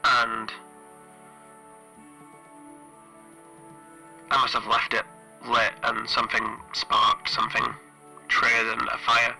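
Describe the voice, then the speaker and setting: Man acting a stranded engineer, bright, even voice. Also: medium pitch, gravelly, faint music behind. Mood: subdued, confessional. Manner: hesitant, halting, broken phrasing. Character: stranded male spaceship engineer, weary, frightened, recording log. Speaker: solo role-playing game player. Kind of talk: halting in-character audio log.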